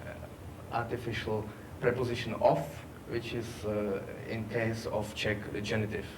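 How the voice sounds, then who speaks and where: A man giving a technical workshop presentation, halting with many fillers. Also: lowish voice, little pitch movement. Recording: distant mic, background noise.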